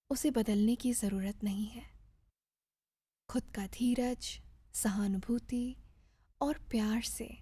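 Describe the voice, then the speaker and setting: Slow, breathy woman guiding meditation. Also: fairly high pitch, no echo. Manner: gentle, soothing, measured instruction with pauses. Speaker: meditation guide. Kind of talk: guided meditation narration.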